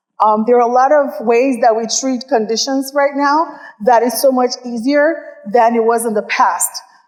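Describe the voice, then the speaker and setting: Noticeable background noise sits under a woman's high voice as she talks at a moderate pace with fairly even intonation. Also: hardly any pauses. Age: 50s. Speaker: clinical research business founder. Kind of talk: pitch presentation. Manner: many filler ums, conversational.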